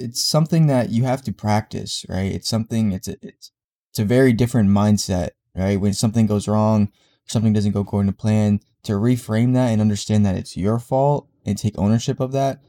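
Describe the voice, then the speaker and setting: A man's voice: on the low side, fairly quick, warm tone. A young man with a congested voice hosting a casual solo podcast, rambling with fillers and restarts. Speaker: podcast host.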